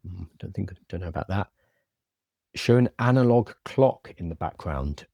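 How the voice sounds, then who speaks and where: A man with a deep, mellow voice hosts a casual live stream in a very dry-sounding space. He has a slight lisp and cannot say his R's, so they come out like w's. He talks informally, as if answering viewers. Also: animated, normal speed, creaky, no room sound.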